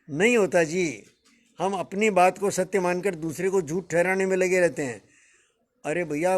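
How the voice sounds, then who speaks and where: Older man musing in a fairly high voice. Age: 70s. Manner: unhurried, musing, addresses listeners as friends, chuckles now and then. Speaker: spiritual teacher. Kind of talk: reflective spiritual discourse.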